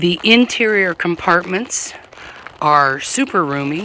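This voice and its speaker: Lively intonation from a woman at a fairly low pitch, over noticeable background noise. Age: 60s. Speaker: motorcycle rider, customer. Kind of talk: product review testimonial.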